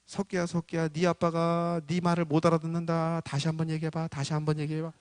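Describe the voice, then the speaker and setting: A man voicing a flustered shaman who talks in an urgent, hurried way. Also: on the high side, completely flat delivery, smooth, dry recording, close to an everyday voice. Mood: coaxing.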